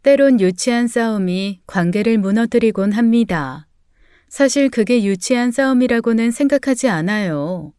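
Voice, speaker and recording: A woman's voice: fairly high pitch, animated, normal speed, warm tone, smooth, no echo, clean studio sound. A woman narrating a true-life story in the first person for a radio-style reading, in a confessional manner. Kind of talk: scripted story narration with acted dialogue.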